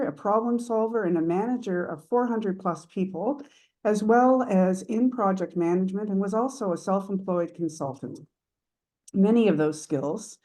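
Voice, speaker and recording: A woman reading a prepared introduction of a guest speaker at a meeting in a formal, measured manner. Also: medium pitch, mellow.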